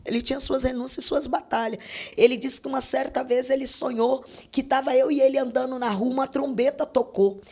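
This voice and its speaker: A woman's voice: sits high, steady tone, brisk, darkish tone, slightly rough. A middle-aged Brazilian woman telling a faith testimony as a podcast guest, earnest and repetitive, often acting out what others said. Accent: Brazilian Portuguese. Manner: earnest, repetitive storytelling, quoting others aloud. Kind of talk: spoken religious testimony.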